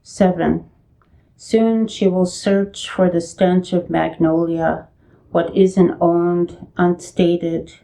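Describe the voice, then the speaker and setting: A woman poet with a New York accent giving a virtual reading of her own poems, speaking in a slow, measured way. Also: lowish voice, fairly even intonation, gravelly, dark tone, rough recording. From United States.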